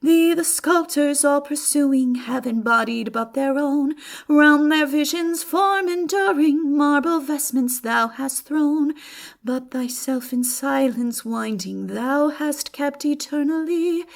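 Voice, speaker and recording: Woman voicing a lovelorn young wanderer, very high, slow sung verse, yearning, melodic, storybook drama. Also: creaky, full character voice. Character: lovelorn young man singing yearningly to a statue.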